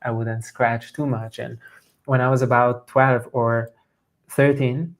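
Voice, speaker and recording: Guest, male, 30s, from Slovenia; earnest and steady, with little pitch movement. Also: slow pace. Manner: steady, earnest, even-toned. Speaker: guest, somatic coach. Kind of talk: storytelling in an interview.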